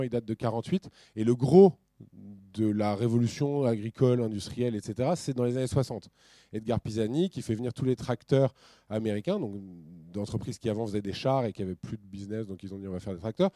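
A man giving a lively, off-the-cuff talk with slides, full of restarts and fillers. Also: fairly low pitch, no echo. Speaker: speaker.

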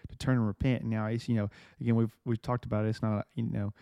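A man's voice: fairly low pitch, flat delivery, fast, vocal fry, no echo, highs cut off. A man hosting a Christian podcast, speaking casually with lots of fillers like "like" and "man". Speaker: podcast host. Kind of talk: casual faith podcast talk.

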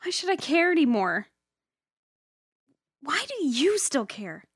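A woman's voice: sits high, sing-song, slow, no echo, clean studio sound, exaggerated voice. A woman playing a jaded, wounded and bitterly blunt young woman in an audio drama, with a sardonic way of talking. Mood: hurt, challenging.

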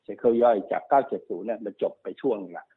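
A man working as a stock market analyst, explaining market cycles quickly and repeating himself, often checking that the listener follows. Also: lowish voice, slightly rough. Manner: fast, repetitive explaining, often checks understanding. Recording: narrow phone-like sound.

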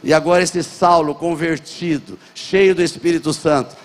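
High-voiced preacher in a reverberant hall. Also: male voice, steady tone, moderate pace. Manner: emphatic, repeats phrases for effect; addresses congregation directly. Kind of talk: Pentecostal sermon. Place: church hall.

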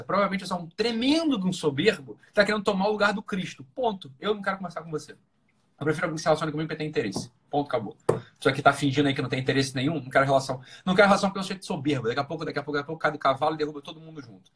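A man with a Brazilian accent giving informal, opinionated advice in a blunt, emphatic way, repeating phrases and asking rhetorical questions, with a husky voice. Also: fairly high pitch, very fast, a bit bright. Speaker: live-talk host giving relationship advice.

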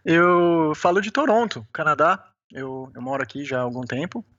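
A man's voice: on the high side, moderate pace, fairly bright tone. Man with a Brazilian accent over the phone. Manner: easygoing, chatty, sprinkles "né" and small laughs. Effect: heard over a phone line. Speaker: podcast guest, beginner mountaineer. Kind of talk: casual interview chat. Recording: lo-fi phone line.

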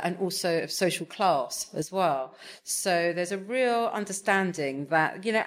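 A woman talking on a panel, hesitant, with many fillers and restarts. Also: deep voice. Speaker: TV executive on a panel. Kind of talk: conversational panel talk.

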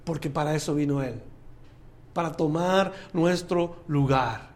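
Male pastor, high-pitched, emphatic sermon delivery with loud peaks and soft drops. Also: measured pace. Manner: preaching with rising emphatic bursts and quiet drops.

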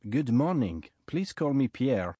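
An actor playing a polite Frenchman being interviewed in a scripted English lesson dialogue, speaking slowly and clearly. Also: medium pitch, sing-song, mellow, dry recording. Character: French male interview guest Pierre. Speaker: guest in scripted language dialogue.

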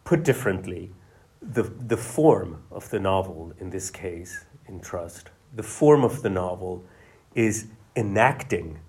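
A male novelist, a guest in a conversational interview, explaining his ideas at length in a measured way. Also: deep voice, expressive, a little mellow.

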